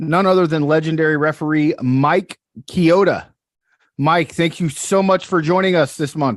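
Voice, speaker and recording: A man with a normal speaking voice and a fairly high pitch talks at a moderate pace over a quiet background. His intonation is fairly even, and his loudness is very even. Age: 40s. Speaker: podcast host. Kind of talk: casual chat.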